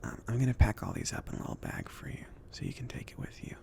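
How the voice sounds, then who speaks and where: Playing a relaxed, considerate mage who sends an apprentice out on errands, a man performs a cozy ASMR fantasy roleplay mostly in a whisper, with crackly fry in his low spoken moments. His delivery is casual, a bit hesitant and softly reassuring, with a gentle, comforting mood. Yet the pace is quick, the voice exaggerated, and the pitch swings hugely.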